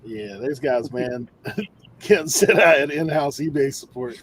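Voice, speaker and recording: A man's voice: mid-range voice, a little slow. A man chatting in a laid-back way and chuckling through his stories. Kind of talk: casual chat.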